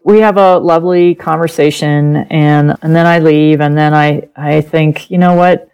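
A middle-aged woman whose first language is German, a podcast guest telling a personal story with lively laughter and acted-out quotes. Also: low-pitched, moderate pace, smooth, lo-fi sound. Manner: animated, laughs often, acts out quoted speech.

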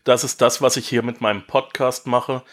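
A man's voice: mid-range voice, little pitch movement, moderate pace, fairly bright tone. A man from Switzerland hosting a podcast, chatting casually and bluntly in colloquial language. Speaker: podcast host. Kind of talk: casual interview chat.

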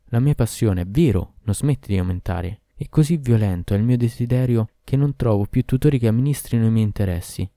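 A man's voice: mid-range voice, fairly quick, few pauses, dark tone, dry recording, studio quality, close to an everyday voice. A man voicing a passionate, cruel sorceress queen in a storybook reading, lamenting and pleading. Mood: lovesick lament.

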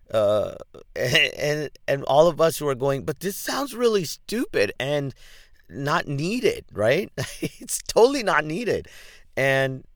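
A man's voice: mid-range voice, no echo, clean studio sound. A man hosting a casual solo podcast who rambles, chats and laughs often, poking fun at himself. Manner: rambling, chatty, laughs often, self-deprecating. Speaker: podcast host.

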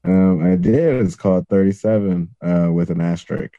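A man's voice: low-pitched, normal speed, gravelly, dry recording, muffled recording. A man in his late thirties, a comedian guest, talking loosely and joking, with casual swearing. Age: 30s. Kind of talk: casual interview chat.

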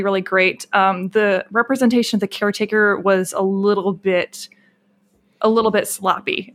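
A woman co-hosting a casual episode-review podcast. She speaks at a middle pitch in a relaxed, conversational manner. She talks through plot summaries and opinions. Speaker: podcast co-host.

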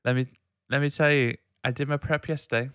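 A man's voice: mid-range voice, steady tone, fairly quick, fairly bright tone, clean tone, no room sound, studio quality. A man hosting a podcast, chatting casually and laughing easily. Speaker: podcast host. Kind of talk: casual chat.

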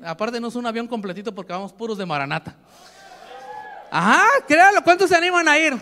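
A man preaching a sermon, animated and jokey, speaking directly to his congregation. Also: high-pitched. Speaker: pastor.

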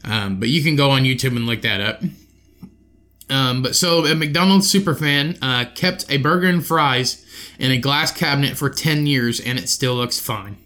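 A man's voice: mid-range voice, normal speed, bright, forceful tone. A man hosting a solo podcast, rambling and swearing in an offhand way, his nose a little congested. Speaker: podcast host.

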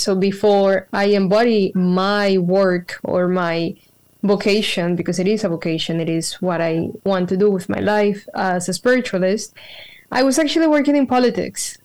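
A woman's voice: mid-range voice, a little mellow, smooth. A woman, telling her story as an interview guest over a video call, thoughtful and earnest with fillers. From Colombia. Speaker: guest, spiritual practitioner. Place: home room with a cat.

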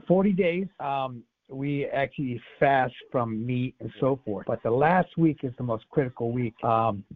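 A man's voice: medium pitch, no echo. A man whose first language is Greek, a radio guest talking casually and hesitantly, with many fillers and restarts. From United States. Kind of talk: casual interview talk. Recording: dry tinny phone-line audio.

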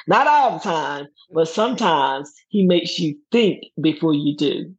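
A middle-aged woman telling a personal story as a guest, lively and laughing often as she acts out what others said. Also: low voice, slow pace, breathy edge. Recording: dull lo-fi recording.

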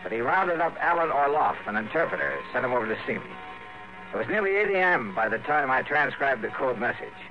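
A man playing a tough, decisive investigator hero in a 1950s radio drama, with clipped delivery and a gravelly voice. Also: medium pitch, lively intonation, a little fast, close to an everyday voice. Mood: terse narrating. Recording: dull vintage radio broadcast with music.

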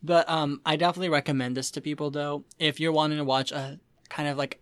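A man's voice: fairly high pitch, level tone, fast, clean tone, dry recording. Laid-back man on a dry close mic. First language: Dutch. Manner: easygoing, rambling, many fillers. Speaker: podcast co-host. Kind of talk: casual podcast chat.

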